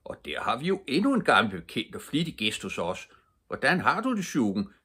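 An older man reading aloud, voicing a loud, jovial, portly police commissioner who shouts his orders heartily. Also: medium pitch, wildly swooping pitch, slightly rough, voice pushed up, heavily acted. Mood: hearty, commanding.

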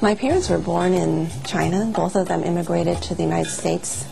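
A woman from Milwaukee reminiscing in a relaxed way about childhood remedies. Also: lowish voice, normal speed, gravelly, rough recording. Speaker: interviewee. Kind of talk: personal recollection.

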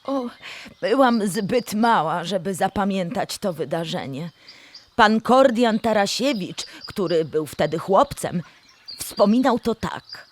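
A woman's voice: mid-range voice, animated, slow. A woman playing a friendly female cartoon animal who explains history in a children's audio drama, speaking with careful enunciation. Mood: explanatory.

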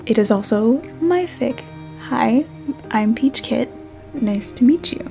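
A young woman speaking softly and unhurriedly, as an amateur reader of her own fiction. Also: on the high side, expressive, slow, creaky, soft background music. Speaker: fan fiction author and podfic reader. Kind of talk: audiobook-style story narration, then casual self-conscious chat.

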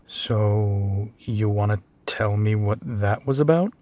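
A man's voice: on the low side, slow pace, warm tone, dry recording. A man playing a tired, teasing werewolf detective in an intimate audio roleplay. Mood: amused teasing.

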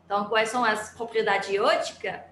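A woman's voice: medium pitch, fairly even intonation, a little fast, a bit bright, slight background noise. A woman from Montreal with a Quebec French accent, giving an academic talk over a video call, hesitant with many fillers and restarts. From Montreal, Canada. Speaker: guest speaker, engineering physicist. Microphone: laptop mic on a video call. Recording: echoey room with faint ambience.

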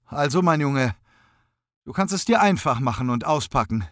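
A gruff police detective in an audiobook, blunt and intimidating, leaning on a suspect, as a male narrator puts him on. The voice sits a little above the narrator's own, close and dry. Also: medium pitch, lively intonation, normal speed, a bit bright, no room sound, pitched above the performer's own voice, close to an everyday voice. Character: gruff male detective playing bad cop.

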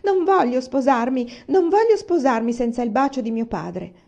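A woman's voice: high voice, very animated, brisk, mellow, voice pushed up. A woman voicing a tearful, sulky young princess who is about to be married, pleading through sobs. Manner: pleading, sobbing protests.

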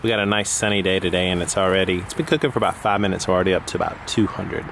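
A man in his thirties hosting a casual how-to vlog outdoors in a backyard, chatting in a loose, relaxed way with restarts. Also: low-pitched, rapid-fire, vocal fry, distant mic. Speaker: host. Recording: outdoor noise behind.

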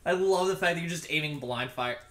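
A young man with a slightly high voice talks casually through a co-op game. He jokes and swears freely, and the room around him rings with clear echo. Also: a little fast, bright, forceful tone. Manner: sweary, joking. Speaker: gamer in co-op play. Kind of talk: casual gaming chat. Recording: roomy, echoey voice recording.

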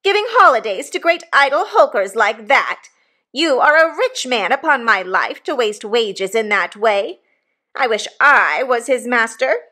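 A woman voicing a violent, shrewish wife, shrill and theatrically indignant, in a storybook reading. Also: sing-song, moderate pace, hardly any pauses. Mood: scornful. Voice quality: shrieking, shrill. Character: violent shrewish married woman, scolding and easily enraged.

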